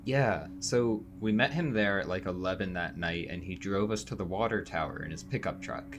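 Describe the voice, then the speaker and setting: A man playing a chatty, slightly unsure college freshman in a fiction podcast, casual and halting. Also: deep voice. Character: nineteen-year-old male college freshman, chatty, excitable, unsure.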